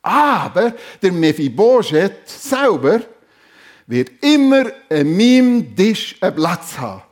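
A benevolent king speaks with earnest insistence, voiced by a male preacher. The voice sits high and unhurried, with a lilt. He explains his wishes patiently, like someone settling matters for good. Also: sing-song, exaggerated voice. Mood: kindly insistent. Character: benevolent middle-aged male king, generous and commanding.

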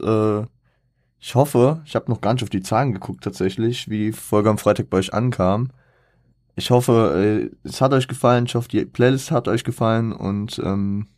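A man's voice: fairly low pitch, a little mellow, no room sound, studio quality. A man hosting a casual solo podcast, rambling and thinking aloud with many fillers and self-corrections. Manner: thinks aloud and counts things off. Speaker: podcast host.

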